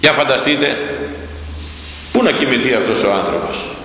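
A man's voice: medium pitch, expressive, bright, forceful tone, heavy reverb, in a large hall, slight background noise, low-quality recording. A man preaching a sermon, emphatic and repeating key words for effect.

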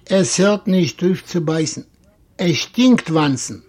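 A man with a high-set voice reads a classic tale aloud. His storytelling is lively and expressive, and he gives the characters their own voices. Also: takes it slowly. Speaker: narrator. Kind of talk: dramatic reading of a classic story.

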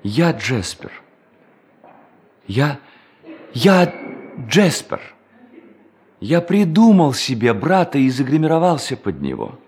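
An actor playing a desperate, ageing male embezzler in a radio play, halting and stammering as he pleads. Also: mid-range voice, big pitch swings, darkish tone, a little hiss or hum. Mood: earnest, weary. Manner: halting, stammering, repeats himself imploringly. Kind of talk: Russian radio play acting.

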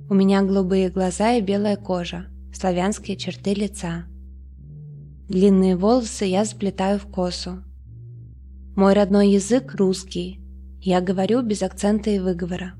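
A woman reading an audiobook in a calm, measured first-person narration. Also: mid-range voice.

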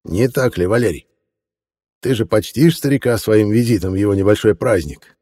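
A man voicing a sly, fussy old male antiquarian who speaks in a drawn-out, mock-kindly grandfatherly tone. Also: lowish voice, mellow, husky, big-room sound. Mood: coaxing. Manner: slow, drawn-out, grandfatherly scolding tone.

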